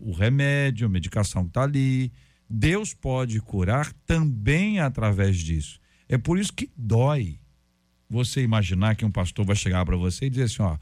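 A man's voice: mid-range voice, a little mellow, no echo. Joking man in church talk chat. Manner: joking, conversational, self-deprecating.

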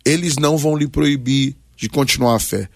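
Male, 40s, Brazilian pastor as debate guest. Gravelly creak, dry close sound, emphatic storytelling delivery. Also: mid-range voice, normal speed, no room sound. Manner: emphatic, preacherly, storytelling with short punchy phrases. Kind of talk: personal testimony and exhortation in a talk programme.

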